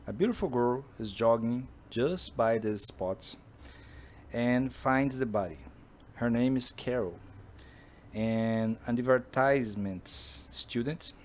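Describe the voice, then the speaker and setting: In a darkish tone, a Portuguese-speaking man from Brazil addresses the camera in English, promoting a film based on books he wrote. His Brazilian accent is clear, and he frequently stops to search for the right word in this casual monologue. A slight hiss or hum is audible.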